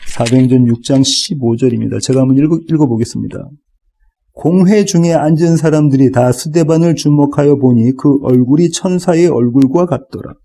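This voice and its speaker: A man's voice: on the high side, creaky, dark tone. A male pastor preaching an expository sermon in a church, reading scripture and voicing the biblical figures with rising intensity.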